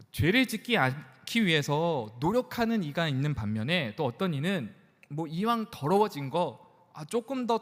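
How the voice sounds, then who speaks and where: Joking pastor, lively voice, hall reverb. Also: male voice, on the high side. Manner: conversational, joking. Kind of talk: sermon to young adults. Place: church sanctuary.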